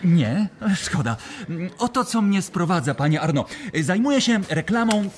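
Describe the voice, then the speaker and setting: An actor playing a smooth-talking, persuasive male advertising agent in a radio drama. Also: high voice, big pitch swings, measured pace.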